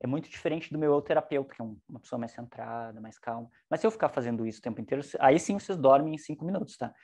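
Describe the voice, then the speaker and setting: A man giving an online psychology lecture, lively and joking, with shifting intonation. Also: mid-range voice, racing.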